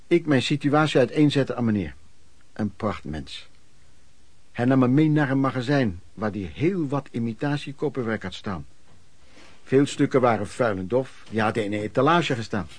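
A man's voice: mid-range voice, lively intonation, normal speed, slightly rough, dry recording. Dry-sounding colloquial man telling his life. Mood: plain reminiscing. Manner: colloquial, storytelling, clipped phrases. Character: man recalling his hard, hopeful youth as street trader. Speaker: narrator. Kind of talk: first-person radio play narration.

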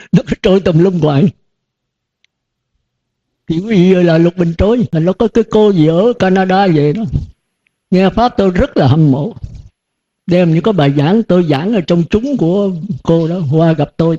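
Older male monk preaching; high voice, mellow tone, folksy and questioning, dull lo-fi sound. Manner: folksy, rhetorical questions, chuckles often. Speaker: Buddhist monk teacher. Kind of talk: dharma talk to disciples. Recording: dull lo-fi recording.

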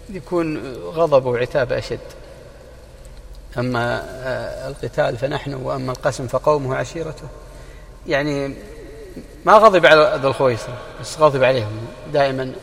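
Fervent fast-talking sheikh, gravelly voice. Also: male voice, a little hiss or hum. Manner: fervent, climbs high in pitch for emphasis and repeats key phrases; mixes classical recitation with colloquial asides. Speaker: sheikh teaching the Prophet's biography. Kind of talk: impassioned religious lecture. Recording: long hall reverb.

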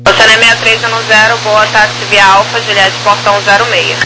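A woman's voice: medium pitch, monotone, moderate pace, over music, low-quality recording. A woman with a Brazilian accent giving procedural instructions as a ground controller over aviation radio. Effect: aviation radio transmission. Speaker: air traffic ground controller.

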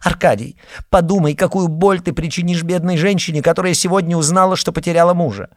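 A man voicing an anxious young noblewoman who pleads with her brother in a high, breathless voice. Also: steady tone, fast talker, no room sound, clean studio sound, natural voice. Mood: pleading. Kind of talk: audiobook character voice.

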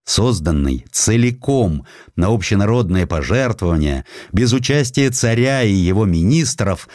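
A man reading a historical sketch as an audiobook narrator, in an expressive, dramatized storytelling manner. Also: low voice, dry recording, clean studio sound. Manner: expressive storytelling, voicing quotations.

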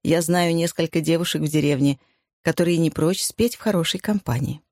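A woman's voice: deep voice, brisk, warm tone, dry recording, clean studio sound. A woman voicing a friendly village woman. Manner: friendly, inviting.

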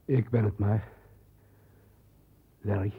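An actor playing a dissolute, worn-out, despairing man with a husky, breathy voice in a 1960s radio drama, on a muffled old recording. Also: lowish voice, fairly even intonation, slow pace, heavily acted. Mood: shaken, resigned.

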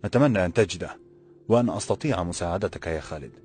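A calm young woman speaks in formal, measured tones, as a male narrator puts her on in a low voice. She is gentle and composed, the way an audiobook character is. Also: faint music behind. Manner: formal, measured classical speech.

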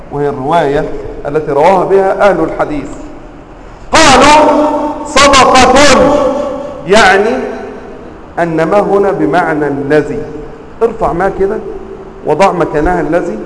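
A man with an Egyptian accent teaching a religious lesson, quizzing his listeners and stressing words with sharp rises. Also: on the high side, reverberant, big-room sound, slight background noise, poor audio. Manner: quizzes the audience, emphatic rising stresses. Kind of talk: classroom lesson.

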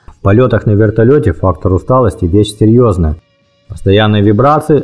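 Husky mellow man reading a memoir. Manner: lively storytelling, voices dialogue with raised pitch. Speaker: audiobook narrator. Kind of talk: first-person audiobook reading.

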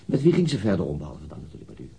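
An actor playing a police detective in a radio drama, asking probing questions in a formal, hesitant, husky manner. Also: male voice, extremely low pitch, wildly swooping pitch, very fast, mellow, full character voice. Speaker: police interrogator. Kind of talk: radio drama interrogation acting.

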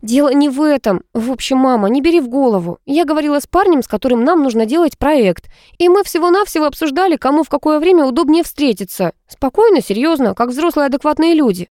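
A woman's voice: high-pitched, lively intonation, quick pace, few pauses, no room sound, studio quality, voice pushed up. A woman voicing an irritable, stubborn young female student who talks back sharply. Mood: indignant. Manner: snappish, sharp-tongued.

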